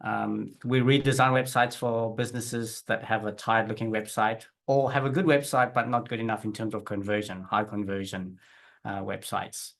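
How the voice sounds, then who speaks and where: A South African man in his forties, an interview guest and business owner, telling his story in relaxed chat with restarts and fillers. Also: on the low side, normal speed, vocal fry.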